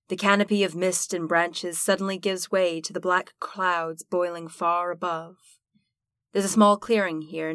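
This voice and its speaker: A woman's voice: lowish voice, a bit bright, no echo, studio quality. A woman hosting and narrating a tabletop roleplaying game in an informal, playful, sweary way. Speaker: game master and podcast host.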